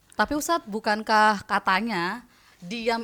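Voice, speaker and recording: The voice has a bright, sharp tone and lively intonation. The recording is very clean and silent in the background, with a dry, close sound and no echo. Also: woman. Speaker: podcast co-host, Islamic school teacher. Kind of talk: podcast interview. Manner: energetic, passionate.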